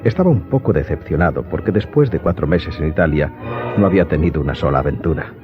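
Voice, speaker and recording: A man narrating a dramatized audiobook in a measured, literary storytelling manner. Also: rumbling low, lively intonation. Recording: dull lo-fi sound, loud music behind.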